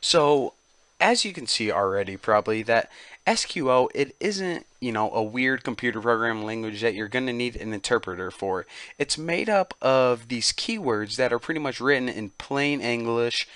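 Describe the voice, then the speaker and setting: A man's voice: mid-range voice, normal speed, no echo. A man hosting a casual screen-recorded tutorial, chatty and loose with many fillers. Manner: relaxed, chatty, uses many fillers like "go ahead" and "basically". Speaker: tutorial host.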